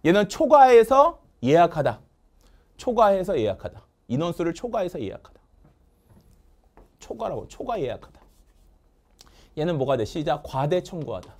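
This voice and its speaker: A man teaching English vocabulary in a lively lecture, drilling words call-and-response and joking with his producer. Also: on the high side, moderate pace, long pauses. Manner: call-and-response drilling, asks "됐습니까?" often; jokes with the producer off camera.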